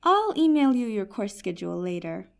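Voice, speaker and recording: A woman's voice: mid-range voice, big pitch swings, moderate pace, vocal fry, smooth. A woman playing a patient, wry genie who runs a magical help desk in a fantasy comedy audio drama, sounding professional. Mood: efficient, helpful. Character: patient, helpful female genie working magic support desk.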